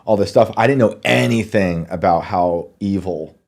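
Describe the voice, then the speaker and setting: A man's voice: low voice, normal speed, vocal fry, darkish tone. A middle-aged man hosting a podcast interview, talking loosely and casually with many fillers. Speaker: podcast host.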